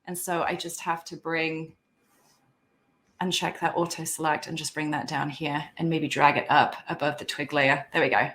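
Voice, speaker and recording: A woman with a fairly low voice talks through a photo art tutorial over a video call. She is chatty and sentimental and sounds slightly hoarse, as if her voice is wearing out. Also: level tone, moderate pace, fairly bright tone. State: losing her voice. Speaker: guest instructor. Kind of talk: software tutorial demonstration. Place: home office.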